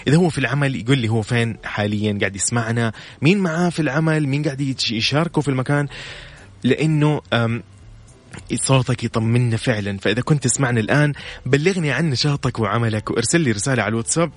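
A man's voice: medium pitch, rapid-fire. A man hosting a morning call-in radio show with a Saudi Hejazi accent, chatty and effusive, repeating his words of praise into a studio microphone. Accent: Saudi Hejazi Arabic. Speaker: radio host.

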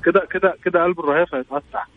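A man's voice: on the high side, rapid-fire, no room sound, phone-quality sound. A man with an Egyptian accent calling in to a radio quiz, joking and protesting his answers. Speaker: phone-in contestant. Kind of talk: quiz call-in banter.

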